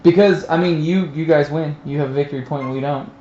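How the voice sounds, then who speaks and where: A man's voice: a little high, fast, darkish tone. A man chatting informally and enthusiastically as he plays a tabletop game, with casual swearing. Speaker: tabletop game player on a stream. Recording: dull, echoey room recording with faint noise.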